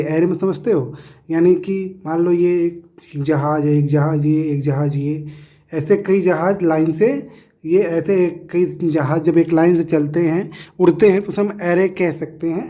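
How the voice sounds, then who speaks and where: A man's voice: on the high side, mellow. A man teaching a textbook lesson, explaining word meanings with everyday examples, often checking in with a tag question and correcting himself.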